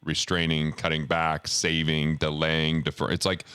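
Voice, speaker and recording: A man's voice: rumbling low, little pitch movement, a little slow, pushed and bright, smooth, no echo. A man hosting a conversational interview, reflective and often finishing the guest's sentences. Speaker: host.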